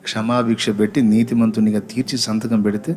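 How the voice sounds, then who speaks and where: A man's voice: fairly low pitch, level tone, a little fast, a little mellow. A male preacher delivering a sermon dramatically, asking rhetorical questions and acting out dialogues.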